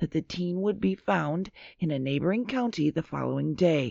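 With lively intonation, a woman talks at a moderate pace in a normal speaking voice. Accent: American. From Minnesota. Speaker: panelist. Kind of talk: casual chat.

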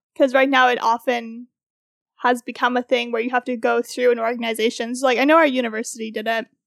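A woman's high voice at a very fast pace, monotone with flat intonation, in a dry, close sound with no echo. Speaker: podcast co-host. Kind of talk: casual chat.

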